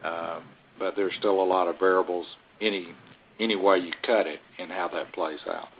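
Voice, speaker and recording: A man with a deep voice answers as a company executive on an earnings call. His delivery is unscripted and measured, with halting, carefully qualified phrasing. The audio is dull, like a conference line. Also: fairly even intonation, slightly rough.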